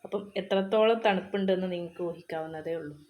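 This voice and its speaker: A woman's voice: fairly low pitch, quick pace, highs cut off. A mother talking casually to her camera in her home kitchen, asking viewers questions. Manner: conversational, asks the viewer questions. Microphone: camera on a tripod.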